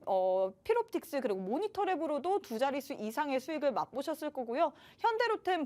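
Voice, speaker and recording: A woman's voice: high voice, darkish tone. A woman hosting a live stock show in a chatty, promotional way, urging viewers directly to join in. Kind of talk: promotional live broadcast presenting.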